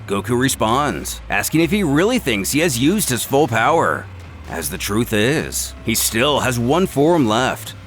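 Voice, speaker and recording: Male storyteller, mid-pitched and highly animated, dramatic scripted narration over background music.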